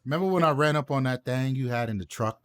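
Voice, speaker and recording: A man's voice: medium pitch, quick pace, fairly bright tone, smooth. A middle-aged man reminiscing casually as a podcast co-host, with slangy, swearing banter. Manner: slangy, profane.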